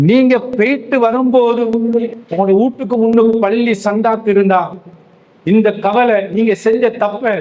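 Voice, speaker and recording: A male preacher gives a sermon, telling a story step by step and posing questions he then answers himself. His voice sits high for a man. The recording sounds dull and lo-fi. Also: darkish tone. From Sri Lanka. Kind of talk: Islamic sermon to young men.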